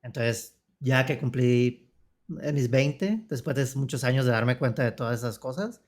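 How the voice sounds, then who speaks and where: Man, 40s, northern Mexican accent, psychotherapist, calm, reflective, interview guest. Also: medium pitch, moderate pace. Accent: northern Mexican Spanish. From Tijuana, Mexico. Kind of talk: personal testimony in interview.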